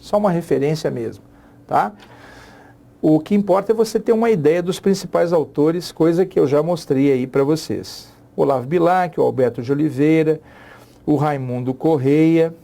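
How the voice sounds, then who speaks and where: A man's voice: a little high, vocal fry, mellow. A middle-aged Brazilian man giving an exam-prep literature lesson, chatty, repeating key phrases and checking in with the class. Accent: Brazilian Portuguese. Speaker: literature teacher.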